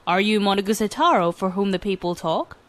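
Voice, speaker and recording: A woman voicing a kind, mild-mannered older male governor who speaks calmly and gently. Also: medium pitch, brisk, natural voice.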